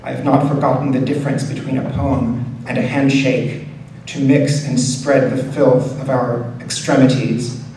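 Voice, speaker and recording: A man reading poetry aloud as a poet, in a measured, deliberate delivery with pauses between short phrases. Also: medium pitch, level tone, a little mellow. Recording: very echoey room, distant mic, faint noise.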